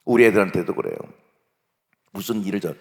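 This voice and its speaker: A pastor in his sixties preaching a sermon, stressing points loudly and then dropping almost to a whisper. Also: low voice, fairly quick, creaky, in a large hall. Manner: emphatic, swings from loud declarations to near-whispers. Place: church sanctuary.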